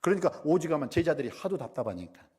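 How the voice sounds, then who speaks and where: A middle-aged man preaching a sermon as a pastor, acting out quotes and swinging from loud outbursts to low asides. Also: quick pace, husky. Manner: animated preaching, shouting out dramatized quotes then dropping low.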